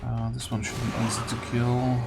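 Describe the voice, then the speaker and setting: Man thinking aloud over loud game music. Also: medium pitch, flat delivery, normal speed, creaky. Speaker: gaming video host. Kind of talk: casual gameplay commentary. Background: video game music.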